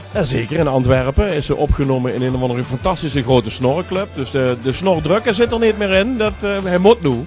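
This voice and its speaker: Over music in the background, a man with a Limburg accent talks at a fairly quick pace with hardly any pauses, his fairly high pitch swinging very widely. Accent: Limburgish dialect. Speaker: vice-president of a carnival humor society. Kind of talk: interview answer.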